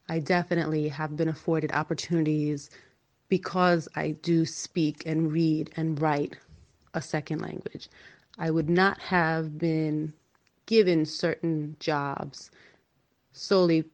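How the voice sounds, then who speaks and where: Low-voiced woman from New York. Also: steady tone, takes it slowly. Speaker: podcast guest. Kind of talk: personal storytelling, read aloud.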